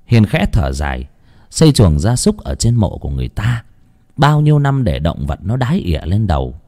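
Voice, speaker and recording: A man reads a ghost story aloud at an unhurried pace. His voice is low and mellow, and his pitch rises and falls a great deal as he tells it.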